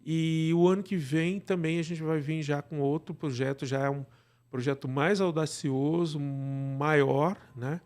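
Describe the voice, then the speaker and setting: A Brazilian man speaking as an interview guest, explaining things casually and haltingly, often checking that he is followed. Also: fairly high pitch, fairly even intonation, a little mellow. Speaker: podcast guest, radio drama producer.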